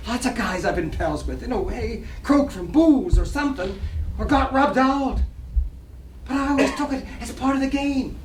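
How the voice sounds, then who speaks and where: A man's voice: very high voice, animated, moderate pace. A man playing a boastful, down-on-his-luck small-time New York gambler in a play reading, with an American accent and slangy, wistful talk. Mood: bitter grief. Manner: slangy, wisecracking. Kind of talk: staged dramatic reading of a play. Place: library reading room. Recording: distant mic, echoey room, noisy.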